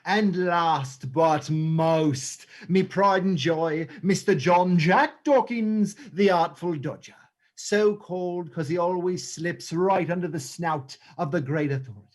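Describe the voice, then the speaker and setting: An actor playing Fagin, an oily, theatrical gang boss of street thieves, in a dramatized play reading, full of drawn-out endearments. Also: medium pitch, natural voice. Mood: oily, grandiose.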